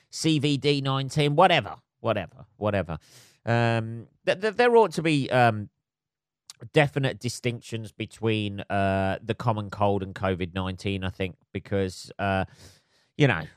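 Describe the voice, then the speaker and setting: A congested man in his forties talks at a middling pitch in a smooth, full voice, thick and nasal from a cold. His delivery rambles and swears freely, full of self-mockery. The sound is close and dry, with no room around it. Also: dry recording. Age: 40s. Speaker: podcast host. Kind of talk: casual solo rant. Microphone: phone camera.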